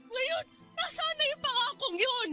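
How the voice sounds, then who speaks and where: A woman's voice: very high voice, a little slow. A woman playing a gambler's fed-up, anguished girlfriend in an emotional radio drama, exasperated and pleading. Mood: tearful reproach. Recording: dramatic music bed behind the voice.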